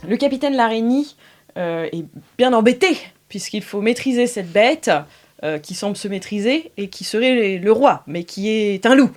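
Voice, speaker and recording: A woman's voice: a little high, lively intonation, normal speed, a little mellow, faint music behind. Chatty woman narrating as game master. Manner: chatty, hesitant narration full of fillers, slips into theatrical character voices. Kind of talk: narrating an improvised tabletop game.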